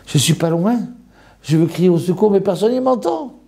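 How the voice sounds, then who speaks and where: A man's voice: sits high, expressive, normal speed, vocal fry, dark tone. A man, a rabbi, telling a dramatic story in a sermon and acting out the people in it. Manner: dramatic storyteller, voicing characters.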